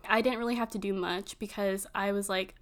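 A woman's voice: medium pitch, fairly even intonation. Young woman rambling in casual chat. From Virginia, United States. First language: Filipino. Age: early 20s. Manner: rambling, fills every pause with "like". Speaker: conversation partner.

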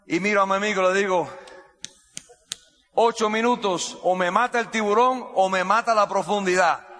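Bright high-voiced man, echoey hall. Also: moderate pace. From United States. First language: English. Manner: repeats key phrases, vivid gestures, builds suspense. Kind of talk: dramatic storytelling speech.

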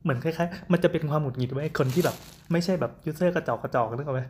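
A man telling a story in casual chat, halting and full of fillers, dropping English words into his talk. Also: on the high side, darkish tone, a little hiss or hum. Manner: rambling, many fillers, mixes in English words.

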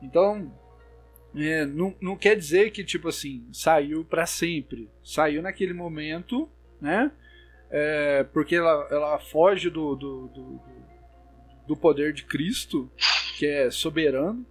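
A man's voice: fairly high pitch, slow. A young Brazilian man with a slightly raised voice tells eerie stories in a loose chat. He stumbles and restarts often, filling gaps with fillers. Faint music plays underneath. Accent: Brazilian Portuguese. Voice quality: hesitant, many restarts and fillers. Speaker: storyteller. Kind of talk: casual chat, telling spooky stories.

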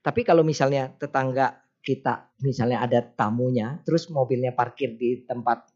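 A man's voice: mid-range voice, moderate pace, a little mellow, muffled recording. A man, a Catholic priest, giving a conversational sermon, telling stories and acting out his neighbors' lines.

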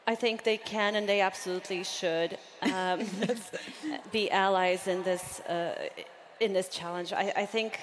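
Female executive panelist, slightly low pitch, articulate conversational delivery, noticeable ambience. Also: slight background noise. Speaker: panel guest, business leader.

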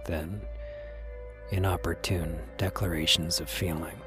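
A man reading scripted podcast narration in a reflective, wry, measured way, like a storyteller. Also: low voice, steady tone. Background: music.

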